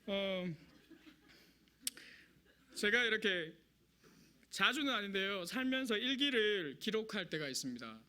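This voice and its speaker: Young male preacher, regional Korean accent, high, bright voice, nervous humor. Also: lively intonation, unhurried, long pauses. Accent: Korean regional dialect. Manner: self-deprecating, conversational, nervous humor. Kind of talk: sermon. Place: church sanctuary.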